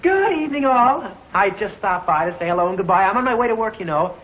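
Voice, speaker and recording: Goofy teen boy, high and jumpy, on a muffled old radio show. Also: expressive, fast. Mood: breezy. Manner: exclaims, laughs a lot. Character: goofy excitable teenage boy Dexter. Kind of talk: 1940s radio acting. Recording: dull old radio broadcast, audience noise.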